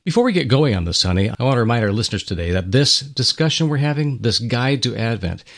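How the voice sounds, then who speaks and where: A man's voice: mid-range voice, lively intonation, fast talker, gravelly. A man co-hosting a Christian radio talk in a conversational, earnest, reflective way with preacher-like phrasing. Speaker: radio show co-host.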